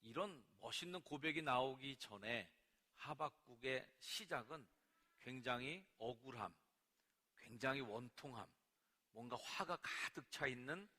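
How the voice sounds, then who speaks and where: A man preaching a Sunday sermon as pastor of a church, lively and at times acting out angry cries to God. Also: mid-range voice. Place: church sanctuary. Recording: long reverb of a church sanctuary.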